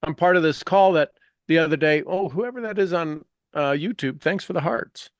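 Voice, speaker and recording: This coach hosts a casual motivational group session, his fairly high voice smooth and moderately paced. He stresses points hard and repeats phrases for effect, recorded cleanly in a studio without echo.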